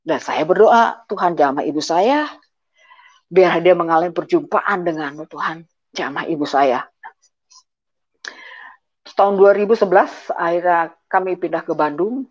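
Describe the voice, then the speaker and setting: Middle-aged woman, personal testimony, hesitant with fillers, low pitch, muffled lo-fi sound. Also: unhurried, long pauses. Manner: hesitant, with many filler sounds, emotional retelling. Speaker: guest giving a conversion testimony. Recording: dull lo-fi audio.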